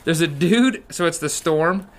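Man, somewhat high voice, animated, casual church chat. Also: measured pace. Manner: animated, acts out storybook voices with shouts.

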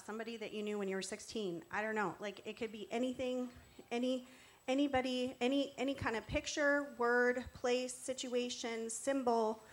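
A woman preaching in a conversational style, earnest and instructive as she encourages her listeners. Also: on the high side. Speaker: preacher giving testimony. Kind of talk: conversational sermon.

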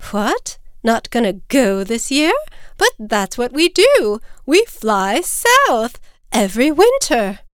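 Lady doing a fed up mom bird from a kids book, stern, high voice, easily upset. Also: sing-song, takes it slowly, dry recording, studio quality. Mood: exasperated. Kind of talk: children's storybook character voice.

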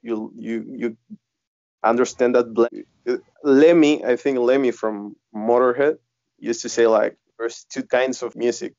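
A man's voice: medium pitch, steady tone, unhurried, darkish tone, no echo. Guy in a band just chatting, stumbles along, close dry sound, bit muffled. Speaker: guest horror punk musician. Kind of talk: casual chat. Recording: dull, dry lo-fi mic.

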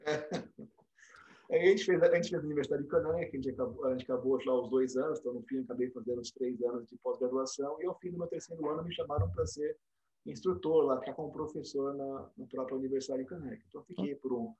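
A man's voice: mid-range voice, fast talker, lo-fi sound. A Brazilian man, a dentistry professor, telling stories in a casual remote interview and acting out the lines he quotes. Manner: animated storyteller, acts out quotes. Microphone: remote call microphone.

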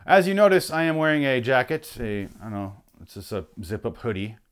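Profane, exasperated man ranting, voice going hoarse. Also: medium pitch, big pitch swings, fairly quick. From Michigan. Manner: loud exasperated swearing, mock outrage. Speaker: vlogger ranting on camera. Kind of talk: profane comedic rant.

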